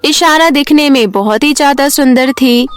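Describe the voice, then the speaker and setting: High-pitched woman storyteller over music. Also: normal speed. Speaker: story narrator. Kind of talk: scripted Hindi children's story narration.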